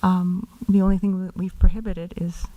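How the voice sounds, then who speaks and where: A woman's voice: lowish voice, level tone, moderate pace, lo-fi sound. A woman speaking as city staff at a council meeting, clarifying policy somewhat hesitantly. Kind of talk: explaining policy at a public meeting.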